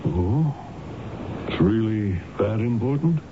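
An actor in a radio drama playing a polite, persistent lawyer with a measured, questioning manner. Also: male voice, on the low side, lively intonation. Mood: earnest. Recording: tinny, noisy 1970s radio broadcast.

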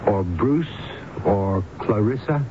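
A man playing a measured, probing doctor and hypnotist in a 1970s radio drama, speaking deliberately. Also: expressive, over music. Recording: dull, noisy 1970s radio recording with rumble.

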